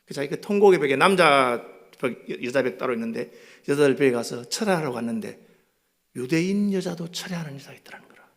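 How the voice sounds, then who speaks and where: A man with a Gyeongsang accent preaching a revival sermon, telling stories animatedly and swinging between loud bursts and hushed asides. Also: mid-range voice, lively intonation, quick pace. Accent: Gyeongsang Korean. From Gyeongsang, South Korea.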